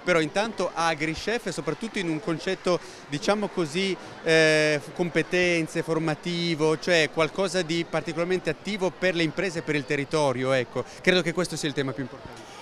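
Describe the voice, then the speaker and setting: A man's voice: fairly high pitch, moderate pace, hardly any pauses, a bit bright. A man interviewing guests at a fair stand, chatty and rhetorical, elaborating at length before posing his questions. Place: indoor exhibition stand at a book fair.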